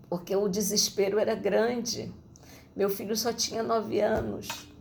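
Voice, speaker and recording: A woman's voice: on the low side, gravelly, mellow, slight background noise. A middle-aged woman missionary, giving a rambling personal testimony full of tag questions.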